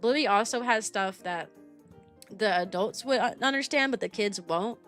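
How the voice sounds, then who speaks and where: A woman's voice: mid-range voice, normal speed, a bit bright. A woman livestream host chatting casually in a rambling way, repeating phrases for emphasis. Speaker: kindergarten teacher. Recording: music playing behind the voice. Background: background music.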